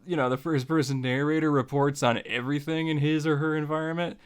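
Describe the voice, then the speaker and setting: An American man hosting a writing tutorial series talks straight to the listener in a casual, jokey, conversational way. His voice is a little high, smooth and fast, with a steady tone.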